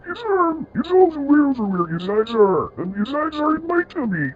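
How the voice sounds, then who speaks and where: A man voicing a deranged, childlike male starfish who turns killer, in a high, sing-song, menacing voice. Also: big pitch swings, moderate pace, dull audio, soft background music. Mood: gleeful.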